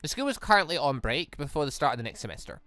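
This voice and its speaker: A man's voice: a little high, big pitch swings, fast, sharp tone, dry recording. A man voicing a stern adult woman, a formal and curt academy instructor in a visual novel. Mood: brisk, instructing.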